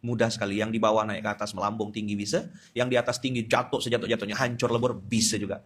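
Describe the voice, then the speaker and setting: A man's voice: on the low side, level tone, quick pace, a bit bright, slightly rough. A man from Indonesia, preaching a dawn sermon with humor and Quran recitation.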